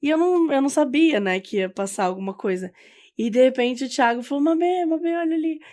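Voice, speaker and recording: High-pitched Brazilian woman chatting as podcast co-host. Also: lively intonation, a little fast, a little mellow. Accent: Brazilian Portuguese. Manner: informal, slangy, exclamatory. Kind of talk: casual chatty conversation.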